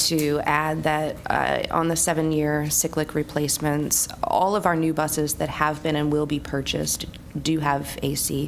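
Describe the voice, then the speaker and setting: Through noticeable background noise comes a woman's very deep, low voice in a flat monotone. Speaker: school board member. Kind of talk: public meeting statement. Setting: board meeting room.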